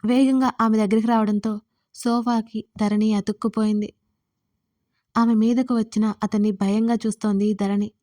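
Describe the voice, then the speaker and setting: Woman reading an audio story, kinda high voice, pretty flat pitch, steady. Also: normal speed. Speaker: storyteller and writer. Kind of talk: scripted audio story narration.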